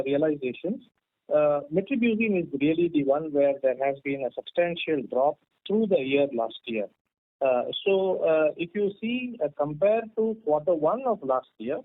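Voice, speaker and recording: A man's fairly high voice comes through a tinny conference phone line, dry and close. He is a company executive answering analysts, halting often with fillers and restarting his sentences. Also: no echo. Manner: hesitant, many fillers and restarts. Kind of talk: earnings call answers. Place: conference call over phone.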